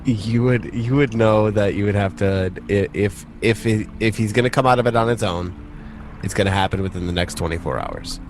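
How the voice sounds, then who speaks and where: A man running a tabletop game as game master, narrating casually with halting, joking delivery. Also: on the low side, a little hiss or hum.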